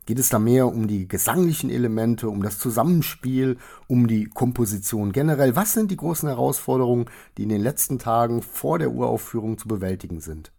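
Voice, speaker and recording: A man interviewing performers on a theater stage, asking measured, formal questions. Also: mid-range voice, lively intonation, gravelly, mellow.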